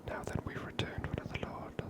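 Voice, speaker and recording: A gamer giving gentle, hushed ASMR commentary over a video game, whispered close to the microphone. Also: fairly quick. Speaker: ASMR gamer, channel host.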